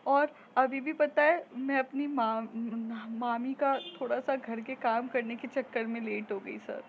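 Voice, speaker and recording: A woman's voice: sits high, fairly even intonation, a little slow, narrow, tinny audio, slight background noise. A woman voicing a young woman student, grieving yet defiant and teasing, in a storytelling podcast. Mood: pleading sad. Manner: pleading, then defensive and teasing.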